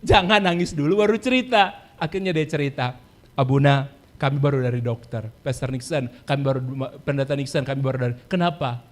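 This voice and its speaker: A man's voice: medium pitch, fairly quick. A male pastor preaching a sermon in speech, telling stories, acting out quoted voices and repeating key phrases.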